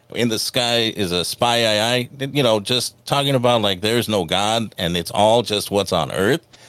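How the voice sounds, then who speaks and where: An ordinary speaking voice moves at a moderate pace with hardly any pauses, very even loudness and ordinary pitch variation. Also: man, medium pitch for a man. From East Los Angeles. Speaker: podcast co-host and former musician. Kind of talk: casual chat.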